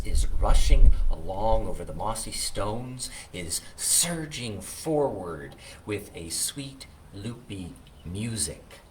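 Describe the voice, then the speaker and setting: A man who is a minister, speaking informally and reflectively with pauses, sharing thoughts and poetry. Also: fairly low pitch. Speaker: Unitarian Universalist minister. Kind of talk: informal video talk with poetry reading. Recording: distant mic, loud background noise.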